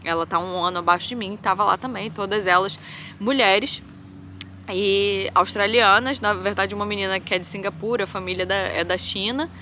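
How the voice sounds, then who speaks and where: A woman in her thirties, a doctor, venting candidly in a vlog monologue, animated and full of fillers. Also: medium pitch, moderate pace, slight background noise. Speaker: vlogger and hospital doctor.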